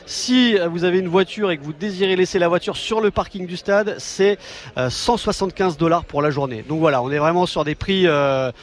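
Out on a city street, a field reporter delivers a live news report in a fairly high, slightly fast voice. He uses many fillers and restarts.

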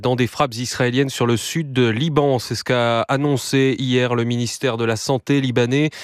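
A man presenting live radio news as the anchor, measured and steady, with the odd hesitation. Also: mid-range voice, dry recording, clean studio sound.

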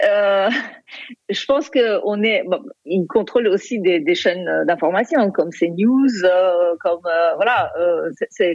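A woman's voice: medium pitch, no room sound. Hesitant woman from Iran on a dull line. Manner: hesitant, many fillers and restarts. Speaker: film director, interview guest. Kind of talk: radio interview.

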